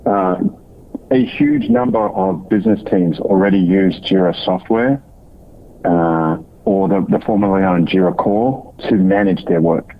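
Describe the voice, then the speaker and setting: A man's voice: low voice, very animated, a little slow, creaky, slight background noise. A man speaking as a company executive, answering analyst questions off the cuff on an earnings call in corporate language. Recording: tinny band-limited phone conference line.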